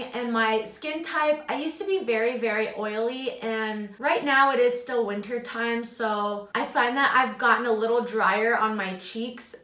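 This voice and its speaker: A woman in her twenties reviewing makeup in a casual, chatty way at home, her voice slightly raspy from the morning. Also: fairly high pitch, a bit bright, roomy sound, recorded from a distance. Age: 20s. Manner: chatty, filler-heavy, self-deprecating. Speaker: beauty vlogger.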